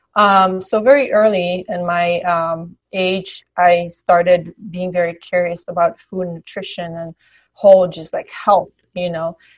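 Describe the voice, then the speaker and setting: A woman's fairly low voice with a slight Polish accent, fairly slow and fairly even in intonation, with big swings in loudness. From Poland. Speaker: health coach. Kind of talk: casual interview chat.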